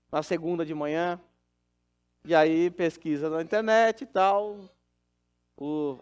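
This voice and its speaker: Male pastor, middle-aged, earnest storytelling sermon, voice sits high. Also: smooth.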